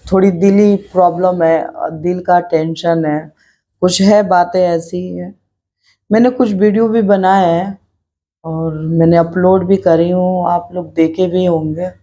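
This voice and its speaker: Middle-aged woman vlogger, earnest personal talk, flat and dark-toned delivery. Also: lowish voice, measured pace. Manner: earnest, reflective, repeats herself while speaking her mind. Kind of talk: personal vlog talk to camera.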